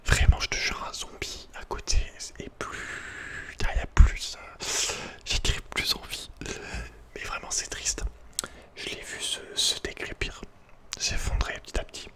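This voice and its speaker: A man's voice: measured pace, pushed and bright. A man telling a personal story in ASMR style, informal and hesitant, often searching for his words. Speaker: ASMR creator.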